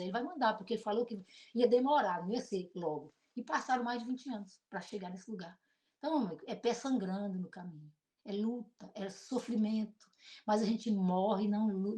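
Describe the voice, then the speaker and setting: A middle-aged woman pastor with a Brazilian accent and a deep voice, preaching an emotional sermon built on personal testimony. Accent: Brazilian Portuguese. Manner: emotional, animated storytelling with shifts between loud and soft.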